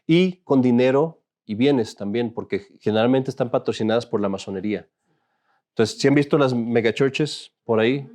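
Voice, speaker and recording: Male priest, conversational catechism class, jokes around, asks the group questions, mid-pitched voice. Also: normal speed, darkish tone. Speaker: Catholic priest teaching a class.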